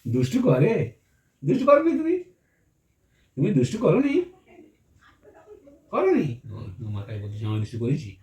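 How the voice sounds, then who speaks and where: A woman coaxing a baby in slow, sing-song baby talk, recorded outdoors from a distance. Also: deep voice, huge pitch swings, warm tone, echoey room. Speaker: family member cooing at a baby.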